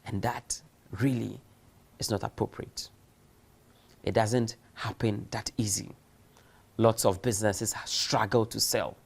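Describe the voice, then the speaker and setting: A man's voice: on the low side, fairly even intonation, slow, gravelly, pauses often, slightly rough. A man giving a recorded university lecture, speaking emphatically and posing rhetorical questions. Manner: emphatic, uses rhetorical questions and acted-out examples. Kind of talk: recorded distance-learning lecture.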